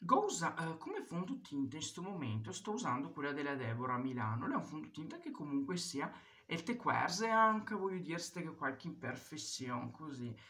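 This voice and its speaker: A man with a Venetian accent talks at a fairly quick pace in a fairly high pitch, his intonation lively. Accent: Venetian (Vicentino) Italian. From Italy, Veneto (Vicenza area); Veneto, Italy. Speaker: YouTuber, makeup vlogger. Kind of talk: makeup tutorial in dialect. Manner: casual, chatty. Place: home room. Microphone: phone near.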